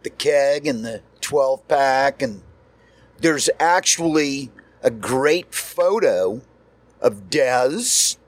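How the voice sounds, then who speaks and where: Slow-talking older man, halting. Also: medium pitch, expressive. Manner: slow, halting, restarts often. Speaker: guest musician. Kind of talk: casual storytelling. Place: noisy room after a show.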